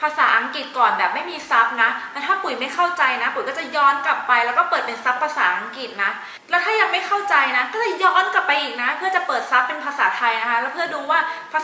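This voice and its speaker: A young adult woman giving study tips in a casual tutorial vlog, chatty, with frequent soft polite sentence endings. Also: high-pitched, slight background noise. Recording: roomy echo with faint background music.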